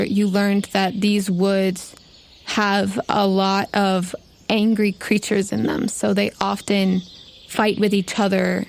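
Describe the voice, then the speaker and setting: A woman's voice: mid-range voice, creaky. Casual woman running a tabletop game. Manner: casual, conversational, uses "like" often. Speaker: game master. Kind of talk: narrating a tabletop roleplaying game, improvised.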